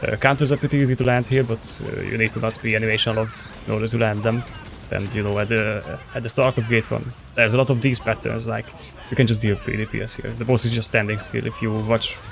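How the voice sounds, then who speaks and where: Over noticeable background noise, a man speaks at a very fast pace in a medium pitch with monotone, flat intonation. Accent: Hungarian. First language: Hungarian. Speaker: gamer. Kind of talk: tutorial. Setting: gameplay voice-over. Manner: halting.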